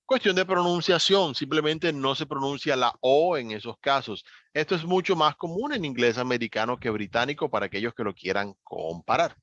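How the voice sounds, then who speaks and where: A man teaches an English grammar class, patient and methodical, his voice rising on the words he stresses. His pitch sits in an ordinary middle range. The sound is dry and a little muffled, like a modest lo-fi recording. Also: moderate pace, few pauses, no room sound. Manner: patient, step-by-step explaining with lively rises on key words. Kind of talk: online class explanation. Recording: dull, slightly lo-fi dry recording.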